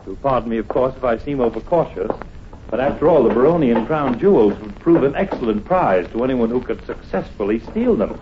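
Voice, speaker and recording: An actor playing a formal, cautious male keeper of jewels, deliberate and theatrical in an old-time radio thriller. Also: medium pitch, expressive, noisy background, natural voice. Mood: formal, wary. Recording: muffled vintage radio, music behind.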